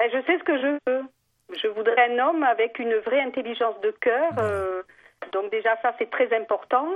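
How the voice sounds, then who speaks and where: High pitch for a woman, a moderate tempo, and ordinary pitch variation in her voice. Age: 50s. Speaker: caller. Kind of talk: phone-in conversation. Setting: phone call. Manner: hesitant.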